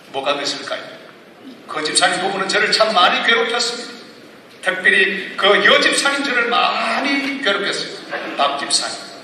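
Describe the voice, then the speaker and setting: A middle-aged man preaching in a storytelling way, his voice fairly high and very bright and sharp. He turns animated and excited in sudden bursts. The sound is echoey and a little distant, like a large hall with long reverb and faint room noise. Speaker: pastor. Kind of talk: storytelling sermon.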